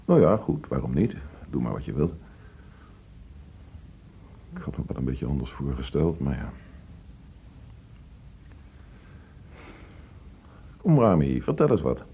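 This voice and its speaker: A man acting a frustrated divorced father in a Dutch radio play, reproachful and emotional, halting when upset. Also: rumbling low, very animated, slight background noise, exaggerated voice. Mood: wistful, coaxing. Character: frustrated divorced father pleading with his teenage son. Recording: dull, muffled old radio play recording.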